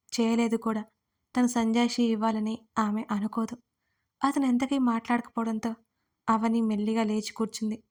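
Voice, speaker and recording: A woman storyteller giving scripted narration of a romance story in an even, steady reading. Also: a little high.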